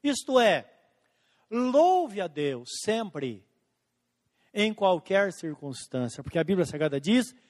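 A man preaching a sermon as pastor, slowing down and stretching out scripture quotes, swinging between emphatic and hushed lines. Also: high voice, very animated. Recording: long hall reverb.

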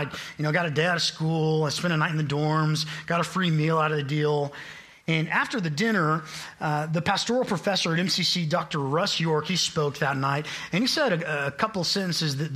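An upbeat young man from Kansas preaches to a congregation with a bright, fairly high voice. He jokes about himself between his points. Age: late 20s. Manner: upbeat, self-deprecating, joking. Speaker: guest preacher, college admissions staff. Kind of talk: sermon. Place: church sanctuary.

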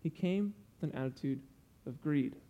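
A young male preacher with a voice sitting a little high delivers an earnest sermon at a moderate pace, his tone warm. He guides the congregation through it like a patient teacher, adding frequent asides, and the audio's highs are cut off.

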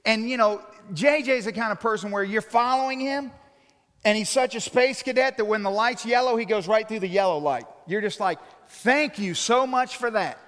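A man with a notably high voice delivers a sermon full of comic stories, animated and playful in his timing. The sound carries the long, ringing reverb of a big hall. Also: brisk. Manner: animated, jokey anecdotal delivery. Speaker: preacher. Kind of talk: humorous sermon storytelling.

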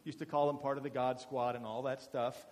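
A man's voice: medium pitch, flat delivery, a little fast, darkish tone, a little hiss or hum. A man in his forties giving a chatty, self-deprecating testimony as a guest speaker at a church, with many fillers and restarts. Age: 40s. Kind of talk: testimony talk to a congregation. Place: church meeting hall. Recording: reverberant church hall.

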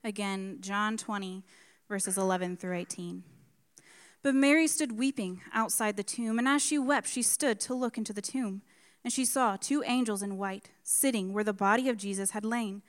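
Woman reading scripture at a pulpit microphone. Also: fairly high pitch. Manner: measured, careful reading with announced references. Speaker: scripture reader. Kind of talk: reading scripture aloud in a church service. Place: church sanctuary.

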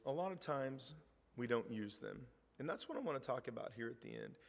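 A hoarse middle-aged man preaching in a church hall, the long reverb trailing after his words. His pitch sits in the middle range, and his talk is easy and conversational, rising in emphasis when he reads scripture aloud. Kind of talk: sermon.

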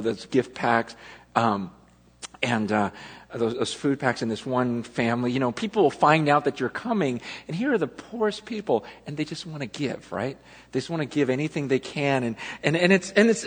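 A man preaching a sermon as pastor, telling personal stories in a loose, self-interrupting way that loses its thread and circles back. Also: a little high. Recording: long reverb of a large hall.

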